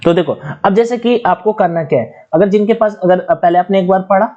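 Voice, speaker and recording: Young man, online tutor, high-pitched, mellow tone, chatty, step-by-step explanations, dull lo-fi audio. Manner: chatty, explains step by step, dictates slowly letter by letter. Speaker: exam coaching teacher.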